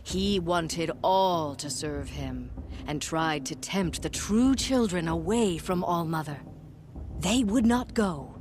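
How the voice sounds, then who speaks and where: An actress playing an old tribal storyteller in a video game, solemn and dramatic, with hushed asides as she tells a legend to children. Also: lowish voice, background noise. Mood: fierce, dramatic. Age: older. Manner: slow, measured, dramatic delivery with hushed asides. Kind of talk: theatrical storytelling.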